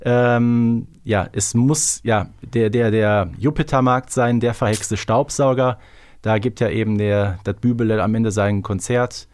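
A man's voice: fairly low pitch, fairly even intonation, unhurried, darkish tone, no echo, studio quality. A man co-hosting a podcast, talking casually and off the cuff during a quiz. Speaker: podcast co-host.

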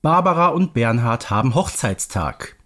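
A man's voice: medium pitch, sing-song, moderate pace, a bit bright. A man co-hosting a podcast, talking through a story outline in an informal retelling style. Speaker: podcast host.

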